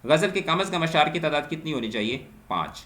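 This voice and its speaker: Bright-voiced man teaching in an echoey room. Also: on the high side, expressive. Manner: asks a question, then answers it, adding "theek hai?" and English terms. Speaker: Urdu teacher. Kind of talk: exam-prep grammar lesson.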